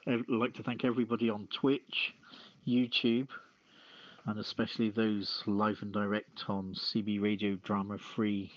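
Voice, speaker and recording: A man hosting a news podcast with a halting, hesitant delivery, reading out items and announcements. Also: on the low side, no room sound. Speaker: podcast host. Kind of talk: reading news and show sign-off. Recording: phone-like lo-fi streamed voice channel.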